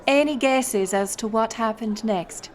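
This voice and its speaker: Woman playing a slow-talking, roguish pirate captain woman. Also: fairly high pitch, some chatter behind, lightly acted. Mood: teasing, wry. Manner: wry, deliberate, theatrical. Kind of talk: in-character audio roleplay storytelling.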